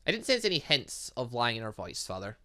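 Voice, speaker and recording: A man's voice: medium pitch, huge pitch swings, brisk, sharp tone. A man voicing an earnest, polite young robot girl devoted to her father, reading from a visual novel.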